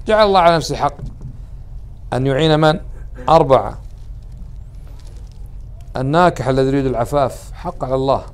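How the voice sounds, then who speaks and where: A man's voice: mid-range voice, brisk, long pauses, clean tone. A man, a sheikh teaching a religious lesson who keeps putting questions to his listeners and mixes colloquial words into formal speech. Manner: questions the audience often, then answers himself.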